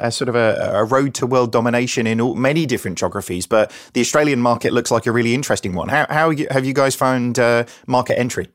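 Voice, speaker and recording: A man's voice: medium pitch, fast talker, hardly any pauses, no room sound, studio quality. A man with an East Anglian English accent, presenting as an informal, chatty podcast host and introducing guests. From England.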